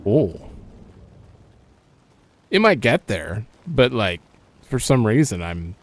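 Young man, gravelly, lively pitch, rambling let's-play commentary. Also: takes it slowly. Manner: rambling, thinking aloud. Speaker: gaming channel host.

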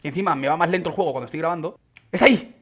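A young man from Spain with a Spanish accent, giving excited gameplay commentary with frequent exclamations. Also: a little hiss or hum. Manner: excitable, exclaiming, quick shifts in pitch. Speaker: gaming YouTuber.

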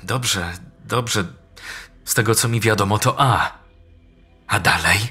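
Brief: frightened young woman pleading, acted by a male narrator, husky edge, audiobook. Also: lowish voice, takes it slowly, sharp tone, pitched above the performer's own voice, exaggerated voice. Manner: pleading, shaken. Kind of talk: audiobook character voice.

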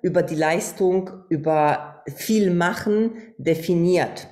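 A middle-aged woman from Poland talks over a video call as an interview guest. Her voice sits fairly low, and she speaks earnestly and reflectively. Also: takes it slowly, mellow. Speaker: podcast guest, businesswoman. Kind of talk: candid interview talk. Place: home room, indoors.

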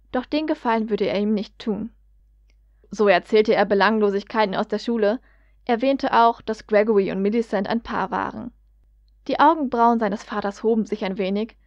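A woman reading a fan fiction story aloud in a steady, even narrating manner. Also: medium pitch, no echo. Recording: dull, dry lo-fi recording.

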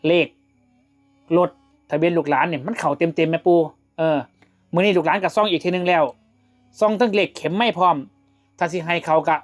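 A man's voice: sits high, fairly quick, pauses often, soft background music. A young man with an Isan Thai accent hosting a casual outdoor show, chatting and reciting invocations. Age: young adult. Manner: chatty, prayer-like invocations to a spirit. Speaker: host. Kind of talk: casual chat.

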